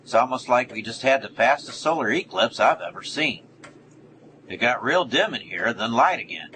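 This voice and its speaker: Bright, crisp-edged male investigator played by a man. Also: medium pitch, animated, normal speed, a little hiss or hum. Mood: puzzled. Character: inquisitive, observant male Bigfoot researcher assisting an interview. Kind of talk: amateur audio drama acting.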